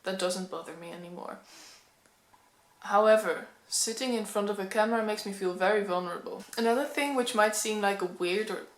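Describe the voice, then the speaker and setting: Young Dutch-accented woman, casual book vlog to camera, candid and slightly nervous, mid-pitched voice, roomy echo. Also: a little fast. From Netherlands. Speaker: book vlogger. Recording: echoey room.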